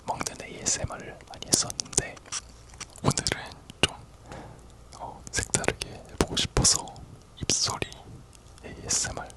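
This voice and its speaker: A person whispering a casual, rambling ASMR chat in a soft, unvoiced whisper. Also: moderate pace, poor audio. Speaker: ASMR video creator.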